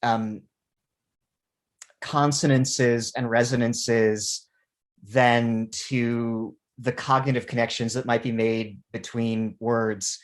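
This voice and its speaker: A man with a mid-pitched voice speaks on a reflective panel. He goes extremely slowly, deliberately placing each academic phrase. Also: fairly even intonation.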